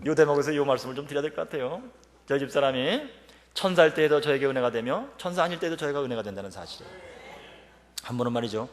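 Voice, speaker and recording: A man's voice: mid-range voice, racing. A man in his fifties giving a humorous revival-meeting sermon and telling stories with acted quotes. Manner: animated storytelling with acted quotes. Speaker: professor speaking at a revival meeting. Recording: reverberant church hall.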